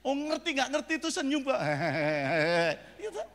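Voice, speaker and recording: A man from Indonesia preaching a sermon as pastor, animated and joking, with shouted amens. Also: very high-pitched, quick pace. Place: church sanctuary. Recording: reverberant church hall.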